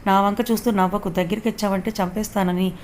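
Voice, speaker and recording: A woman's voice: medium pitch, little pitch movement, quick pace, slight background noise, lightly acted. A woman reading the lines of a hot-tempered young man, snappish and complaining. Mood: irritated.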